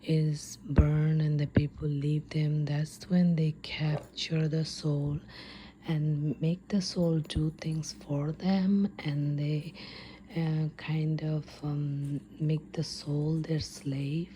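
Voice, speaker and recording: A woman whispering in a breathy, unvoiced ASMR storytelling style, hesitant and unscripted with drawn-out pauses. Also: low-pitched, flat delivery, mellow, slight background noise. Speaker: host of an ASMR storytelling channel.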